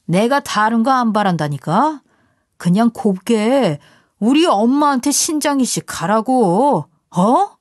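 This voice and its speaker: A woman's voice: medium pitch, animated, measured pace, a little mellow, husky, no echo. A woman voicing a manipulative, threatening husband in an audio story, coaxing and menacing by turns, recorded dry and close.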